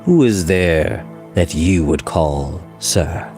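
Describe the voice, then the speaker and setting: A cold, menacing storybook villain, played by a male reader, speaking very low. He takes his words slowly and deliberately, keeping the threat soft and conversational. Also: lively intonation, soft background music. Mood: cold, commanding. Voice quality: deep, cold voice. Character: tall, cold, menacing man, quietly sinister villain. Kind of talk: dramatic audiobook character reading.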